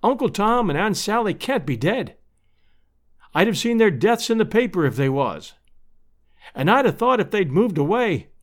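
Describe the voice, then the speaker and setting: A man's voice: high-pitched, voice pushed up. A man voicing a plain-spoken, good-hearted country fellow home from out west, earnest and folksy, in a storybook. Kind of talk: storybook character voice.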